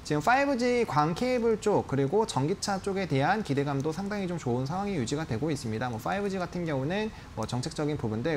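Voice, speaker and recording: A man's voice: fairly high pitch, a little hiss or hum. A man in his thirties giving live stock commentary as a TV analyst, explaining in polite formal speech. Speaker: stock market analyst on a TV show. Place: TV studio. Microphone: lapel mic.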